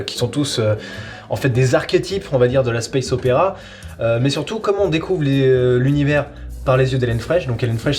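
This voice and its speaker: A man with a medium-pitched voice presents a casual, loosely improvised review. He rambles and repeats words to stress his points, while faint music plays behind him. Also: a little mellow. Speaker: reviewer presenting an audio series. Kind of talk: casual chronicle, semi-improvised.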